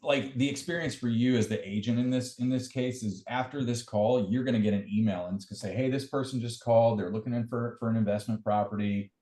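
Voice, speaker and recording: A man's voice: mid-range voice, fairly even intonation, fast talker, few pauses, dark tone. A man giving a casual product demo, hesitant and full of fillers. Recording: echoey room.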